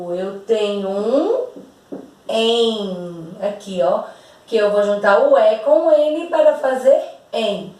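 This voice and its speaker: A Brazilian woman teacher speaks slowly and patiently, stretching out words so their sounds come through clearly. Her voice sits a little high and reaches the mic from a distance. It rings around a very echoey room. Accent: Brazilian Portuguese. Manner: slow and patient, drawing out words to demonstrate sounds. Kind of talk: slow, over-articulated classroom explanation.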